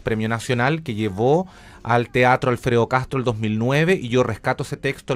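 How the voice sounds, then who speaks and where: A Chilean man speaks as a guest in a studio interview. His voice sits at an average pitch, and he explains at length in a conversational, digressive way. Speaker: interview guest, radio drama director.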